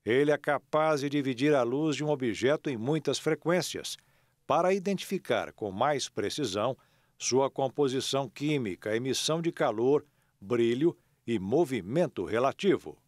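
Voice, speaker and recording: A man reading a scripted science news report as a voice-over, even and explanatory. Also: medium pitch, normal speed, no room sound, clean studio sound.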